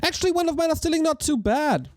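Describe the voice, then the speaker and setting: A man with a hoarse voice, casting a live strategy game match in an energetic, chatty way while thanking viewers. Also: very high voice, quick pace. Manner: energetic, chatty, talks to chat. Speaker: esports caster. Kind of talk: live game commentary with chat shout-outs.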